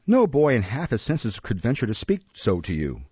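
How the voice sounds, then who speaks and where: A man voicing a sharp, overwrought, spiteful undertaker's wife in an audiobook, full of indignant exclamation. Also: mid-range voice, wildly swooping pitch, normal speed, slightly rough, no room sound, lo-fi sound. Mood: alarmed.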